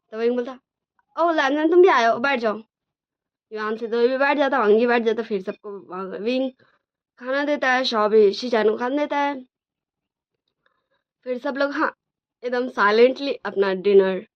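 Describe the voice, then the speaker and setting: Chatty woman narrating a story, dull lo-fi sound. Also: on the high side. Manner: chatty, with frequent fillers and English words mixed in. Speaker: storyteller and channel author. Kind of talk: casual spoken story narration. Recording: dull lo-fi recording.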